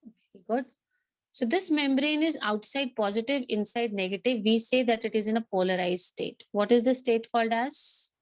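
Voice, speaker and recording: A woman's voice: a little high, normal speed, dry recording. A woman with a South Asian accent teaching an interactive online class, asking questions, repeating points and switching between two languages. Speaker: biology teacher.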